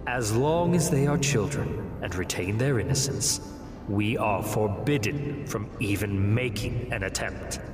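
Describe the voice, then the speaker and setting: An actor playing a smooth-talking demon who works as a defense lawyer, telling his story in a theatrical, wry way for an audio drama. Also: lowish voice, animated, unhurried. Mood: grave, firm. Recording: reverberant hall, music underneath.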